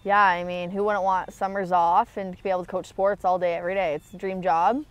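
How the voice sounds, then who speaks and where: A woman's voice: fairly low pitch, flat delivery, brisk. A young adult woman from small-town Ontario with a Canadian accent, answering casually and slangily as an athlete being interviewed outdoors. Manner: informal, slangy. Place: outdoor sports field.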